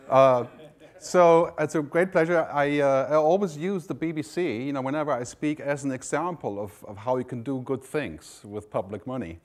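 A man from Germany speaks from the stage of a large hall, giving a keynote at an ordinary middle pitch. He keeps it conversational, dropping in "you know" and "right?" as he goes. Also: moderate pace. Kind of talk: conference keynote talk.

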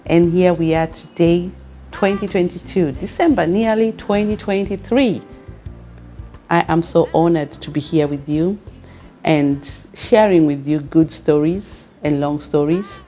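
A woman's voice: on the low side, a little slow, warm tone, faint music behind. A middle-aged Kenyan woman with a Kenyan accent, speaking earnestly to camera as a network founder and asking rousing questions. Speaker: founder and CEO of a women's network. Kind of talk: direct-to-camera address. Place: furnished studio lounge with a fireplace, indoors.

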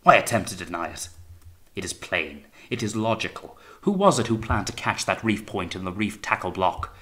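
A man voicing a paranoid, tyrannical naval captain in an audiobook sea story, taunting and accusing, swinging from quiet menace to blaring. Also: fairly low pitch, lively intonation, moderate pace. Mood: paranoid rage. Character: paranoid, sneering, tyrannical male naval captain, raging and suspicious. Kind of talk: dramatised audiobook reading of sea fiction.

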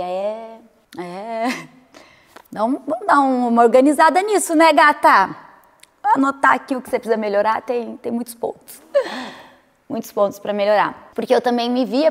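A woman's voice: medium pitch, darkish tone, in a large hall. A Brazilian woman in her thirties talking casually to her viewers, often acting out things she used to say. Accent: Brazilian Portuguese. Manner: chatty, acts out her own past remarks. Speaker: vlogger. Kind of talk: casual reflective monologue.

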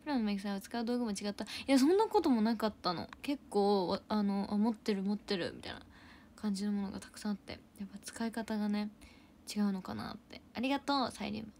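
A young woman hosting a casual idol livestream. She reads out viewer comments and thanks them for gifts, and often drops into soft, whispery asides. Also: mid-range voice, quick pace, a little hiss or hum.

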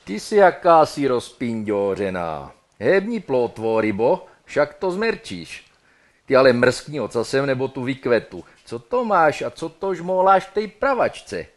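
A man voicing a dead male lover who loudly and urgently pushes his bride to hurry, partly in coarse slang. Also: mid-range voice, animated, hardly any pauses, natural voice. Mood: crude. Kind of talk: comic dramatic reading.

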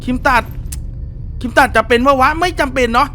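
A man hosting a casual let's-play, talking to himself as he plays, with sudden loud exclamations. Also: very high-pitched, brisk. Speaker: gaming channel host.

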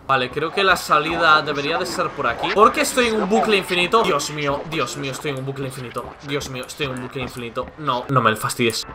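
Panicky Spanish man playing a horror game. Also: a little high. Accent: Spain Spanish. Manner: panicky, screams and repeats himself. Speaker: gaming video creator.

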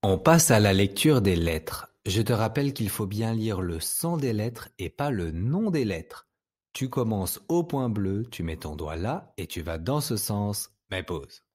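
A French-accented man gives a reading lesson to young children in a lowish voice. He speaks very slowly and patiently, stretching out each sound so it can be heard clearly. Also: sing-song, darkish tone. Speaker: teacher.

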